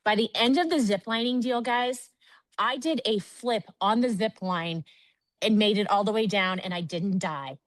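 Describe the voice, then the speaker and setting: A woman giving an energetic, chatty sales training talk, often calling her audience "guys". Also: mid-range voice, normal speed, dry recording, rough recording. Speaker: network marketing trainer.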